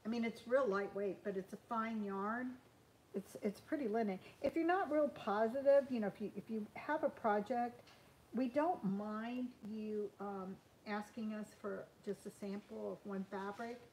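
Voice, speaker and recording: A woman in her sixties talks loosely as she hand sews in a small sewing room. She restarts sentences and fills pauses with ums. The camera sits across the table, and a faint hum hangs behind her. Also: mid-range voice, darkish tone, poor audio. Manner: chatty, frequent ums and restarts. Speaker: host sewing live. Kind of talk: casual live Q&A while hand sewing.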